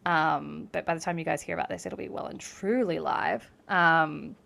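A woman's voice: low voice, steady tone, normal speed, creaky, fairly bright tone. A woman, co-hosting a podcast in a rambling, chatty way and laughing often. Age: late 20s. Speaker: podcast co-host, developmental psychology academic. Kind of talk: casual chat.

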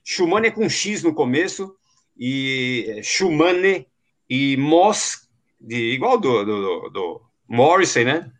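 A man's voice: mid-range voice, big pitch swings, slow, a bit bright. A man from Brazil, hosting a podcast in a rambling, casual way full of fillers and slang. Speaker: podcast host.

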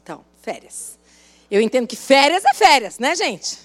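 A woman's voice: high-pitched, big pitch swings, moderate pace. A woman pastor preaching at a women's church service, telling a story in a chatty way and asking the congregation questions. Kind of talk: sermon.

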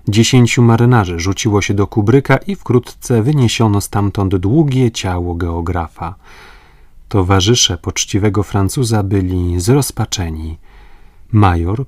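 A male audiobook narrator reads scripted narration in a low, darkish voice. The recording is dry, with clean studio sound.

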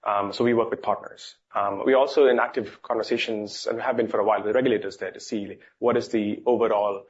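Male executive, fairly deep, conversational on business matters, recording a little muffled. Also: steady tone, brisk. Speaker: company executive answering analyst questions. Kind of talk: earnings call Q&A, informal business talk. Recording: dull, band-limited call audio.

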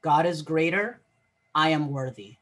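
Man, husky voice, earnest podcast guest, explains patiently, repeats himself mid-thought. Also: fairly high pitch, a little slow, a bit bright. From Egyptian family, raised English-speaking. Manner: earnest, explanatory, repeats words while thinking. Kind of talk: podcast interview.

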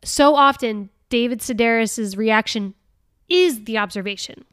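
A woman hosting a casual solo podcast, chatty and laughing often, reading passages aloud with lively expression. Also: on the high side, measured pace, clean tone, no room sound, clean studio sound. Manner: chatty, laughing often, with many fillers and restarts. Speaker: podcast host.

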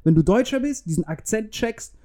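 A man's voice: sits high, expressive, normal speed, warm tone. A young man co-hosting a podcast, chatting casually and joking with frequent laughter and slangy asides. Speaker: podcast co-host.

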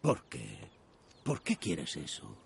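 An actor dubbing a gruff old village barber who brushes off a request in a slow, gravelly voice. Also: male voice, huge pitch swings, slight background noise, exaggerated voice. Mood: dismissive. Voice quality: deep and gravelly. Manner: slow, dismissive.

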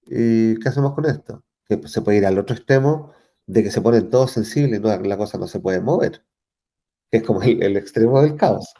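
A man from Chile with a Chilean accent, talking as an interview guest in a thoughtful way, often pausing and restarting as he searches for words. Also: on the low side, dark tone. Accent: Chilean Spanish. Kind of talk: reflective conversational interview.

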